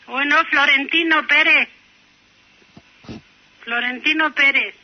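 A man's voice: very high-pitched, fairly even intonation, takes it slowly, pitched above the performer's own voice. A man voicing a confused elderly woman caller answering questions over a muffled phone line.

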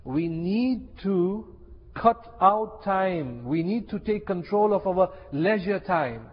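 Impassioned high-voiced male preacher. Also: lively intonation, slow. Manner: impassioned, repeats key phrases for emphasis. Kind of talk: sermon. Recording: echoey hall, dull lo-fi sound.

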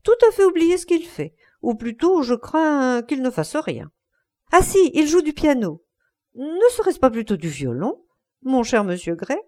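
Gossipy older hostess, high and fluttery, lively swoops , read by a woman. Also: measured pace. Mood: gushing.

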